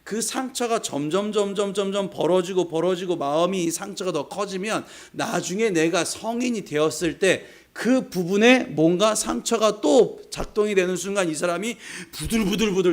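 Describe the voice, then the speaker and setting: Male pastor from South Korea, high voice, emphatic sermon delivery, answers his own questions. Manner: emphatic, asks the congregation questions and answers them himself; acts out short quoted voices of God and of tempted people.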